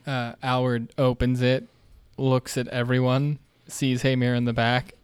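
A man's voice: medium pitch, little pitch movement, a little slow, clear, resonant tone, dry recording. A man at a tabletop game, bantering casually and improvising bits of role-play.

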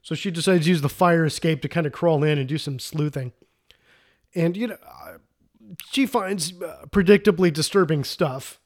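Male podcast co-host, slightly high voice, chatty and excitable, stumbles and restarts often. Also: normal speed. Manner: rambling, self-interrupting, enthusiastic. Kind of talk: casual movie recap chat.

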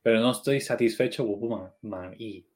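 A man's voice: on the low side, moderate pace. A man co-hosting a Chinese lesson podcast, asking questions and checking what he has understood in casual chat. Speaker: co-host of a Chinese learning podcast.

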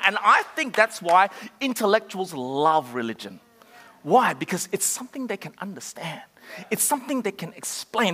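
Give me an impassioned male pastor preaching, swooping lively pitch, in a reverberant church auditorium. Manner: impassioned preaching with shouted peaks and call-and-response. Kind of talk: sermon.

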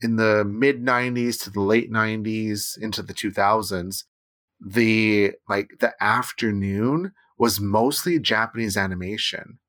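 A man in his thirties from Canada talks through a casual co-hosted chat. His voice sits low but sounds bright and forward. He rambles, restarts his sentences and tags many thoughts with "right?". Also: steady tone, unhurried.

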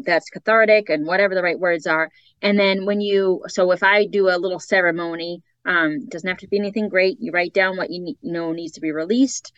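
A woman's voice: fairly low pitch, a bit bright, no room sound, lo-fi sound. A woman with a Boston accent, a psychic guest chatting casually about her offerings and readings. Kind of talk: casual chat.

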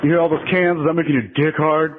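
A crude, jeering prank caller, voiced by a man, his voice sitting a little high. It comes through a narrow, tinny phone line. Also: flat delivery, fast talker, heavy background noise, close to an everyday voice. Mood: taunting.

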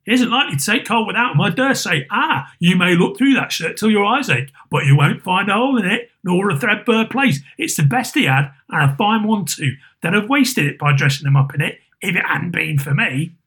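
A man voicing a coarse, defiant old charwoman with a brisk, sharp tongue. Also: sits high, lively intonation, voice pushed up.

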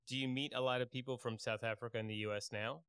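A man asking measured, carefully worded questions as an interviewer. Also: mid-range voice, steady tone, fairly bright tone, clear, resonant tone, no echo, clean studio sound.

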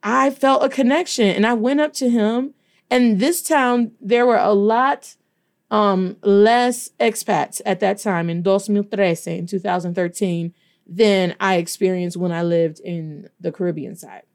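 A woman's voice: medium pitch, unhurried. Chatty Black Midwestern woman teaching. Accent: Black Midwestern American. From Detroit, Michigan. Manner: chatty, animated, addresses listeners as y'all. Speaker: Spanish teacher and podcast host. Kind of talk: casual storytelling lesson mixing English and Spanish.

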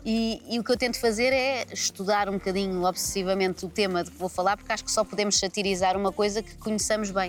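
Portuguese woman comedian, dry ironic chat, rattles along quick, faint music under. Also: medium pitch, steady tone. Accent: European Portuguese. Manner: ironic, skeptical, quick-talking. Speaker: comedian guest. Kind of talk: casual interview talk. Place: large empty arena.

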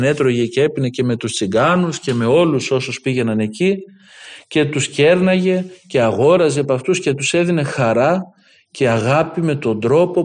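A man preaching, telling stories of an elder in an earnest way and acting out the dialogue. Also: mid-range voice. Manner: earnest, lively quoting of dialogue. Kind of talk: sermon storytelling.

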